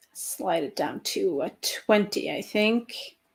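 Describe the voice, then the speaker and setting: Very slowly, a woman in a Norwegian accent speaks with a fairly high pitch and very wide pitch swings. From Norway. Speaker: writer streamer. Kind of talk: casual livestream chat. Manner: chatty with fillers.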